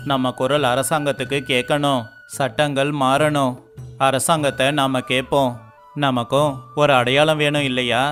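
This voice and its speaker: A man voicing every male figure in a cartoon village story, in an even, scripted delivery. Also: medium pitch. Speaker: voice actor for all male figures. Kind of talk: scripted dialogue of an animated moral story. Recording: faint music underneath.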